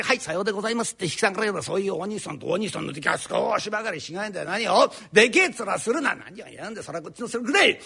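A hot-tempered middle-aged master carpenter with a rough Edo downtown tongue, as a male rakugo teller puts him on. His voice runs high and swoops widely, bright and gravelly with a husky edge. He fires words off quickly. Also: full character voice. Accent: Edo downtown speech. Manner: polite pleading turning into a fast, rough tirade. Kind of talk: rakugo storytelling.

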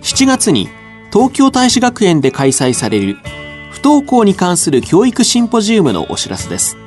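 Lively high-voiced male radio announcer. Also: normal speed. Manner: smooth, clear announcing. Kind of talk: scripted radio presenting. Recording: dry studio voice over soft guitar.

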